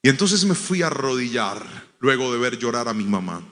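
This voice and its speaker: A man preaching a sermon. He tells a story, dropping to a hush and then rising to loud, emphatic declarations. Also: mid-range voice, big pitch swings, brisk, long reverb tail. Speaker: pastor.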